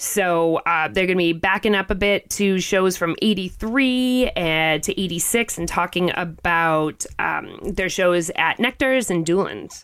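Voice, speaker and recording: A woman with a plain, everyday voice and medium pitch talks at a fairly slow pace with hardly any pauses, very even loudness, and ordinary pitch variation. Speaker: podcast host. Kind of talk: casual interview.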